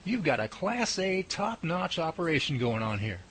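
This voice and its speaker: A man's voice: fairly high pitch, very animated, moderate pace, fairly bright tone, a little hiss or hum. A man playing an earnest, easily flustered team leader who talks in exclamations in an amateur radio drama. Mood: impressed.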